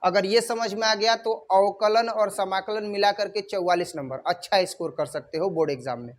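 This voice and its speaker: A man with a north Indian Hindi-speaking accent teaches a maths class at a whiteboard. His voice sits high for a man. He keeps putting questions to the class and then answers them himself, going over each term again. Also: normal speed. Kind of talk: whiteboard lecture.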